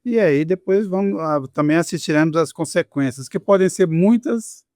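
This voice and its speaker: A man's voice: fairly high pitch, moderate pace, a little mellow, no echo, studio quality. A man with a Brazilian Portuguese accent hosting a political discussion in a conversational, wry manner. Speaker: host. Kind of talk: casual panel discussion.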